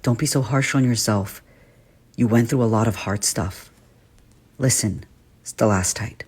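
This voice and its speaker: A man plays a gentle shapeshifting teacher with a painful past in a dramatic character monologue. His voice is fairly low and rough-edged with husk. He speaks earnestly and confidingly, halting when emotion gets to him. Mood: gentle, reassuring.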